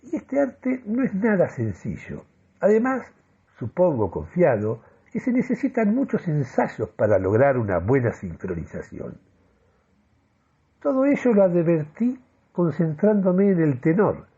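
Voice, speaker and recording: A man's voice: a little high, wildly swooping pitch, measured pace, mellow, slightly rough, muffled recording. A man performing a comic first-person radio monologue in a theatrical, mock-solemn manner. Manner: dramatic, mock-solemn delivery.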